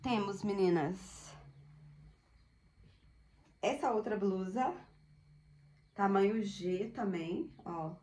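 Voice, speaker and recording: Woman in her thirties, upbeat thrift seller, unhurried talk, roomy home recording. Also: mid-range voice, a little mellow, slight background noise. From Brazil. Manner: chatty, upbeat, many diminutives and "olha só" asides. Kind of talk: casual product showcase. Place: small home room indoors. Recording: echoey room.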